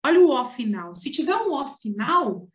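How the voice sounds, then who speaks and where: Brazilian female teacher, higher pitch, patient and explanatory, online class. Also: big pitch swings. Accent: Brazilian Portuguese. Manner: explains patiently, stretching example words slowly. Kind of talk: online writing lesson.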